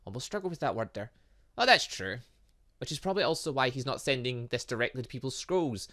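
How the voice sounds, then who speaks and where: A male gaming host with a bright, forceful voice. His pitch moves around a lot as he reads game text aloud and drops in chatty comments. He occasionally stumbles on a word and carries on. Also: lively intonation, fast. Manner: stumbles over long words, chatty asides. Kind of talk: let's play, reading game dialogue aloud with commentary.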